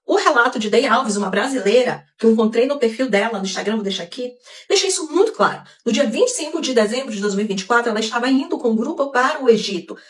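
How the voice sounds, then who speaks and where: A woman narrating a scripted explainer in a measured, explanatory way. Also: on the high side, animated. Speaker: video narrator. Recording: echoey, distant mic.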